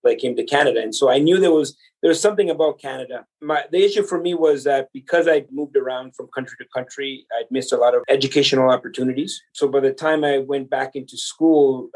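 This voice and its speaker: With a mid-range, somewhat mellow voice, a Salvadoran man in his 40s shares his life story as a podcast guest, though the audio is poor. He speaks earnestly and motivationally, addressing listeners directly as he tells his story conversationally.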